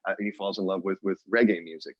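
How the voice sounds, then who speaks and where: A man's voice: sits low, fairly even intonation, fast, slightly rough, no echo, dull audio. A man co-hosting a podcast, telling a story in casual chat with lots of restarts and fillers. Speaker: podcast co-host.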